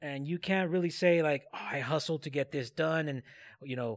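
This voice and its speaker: A man talks at a fairly quick pace with lively intonation in a plain, everyday voice. The recording is very clean, with a silent background. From born in Mexico, raised in US. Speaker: hip-hop blog editor and youth educator. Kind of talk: casual chat.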